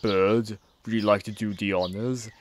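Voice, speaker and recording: A man's voice: on the low side, steady tone, normal speed, slight background noise, close to an everyday voice. A man playing a remorseful male comedian stuck in a frog puppet body in a hobby audio play, speaking earnestly and plainly.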